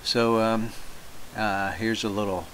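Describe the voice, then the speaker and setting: A man talking casually about his hobby, unhurried and hesitant, with lots of fillers, in a home workshop. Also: fairly low pitch, steady tone, fairly bright tone, slight background noise, low-quality recording. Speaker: hobbyist radio collector. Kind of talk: casual talk to camera.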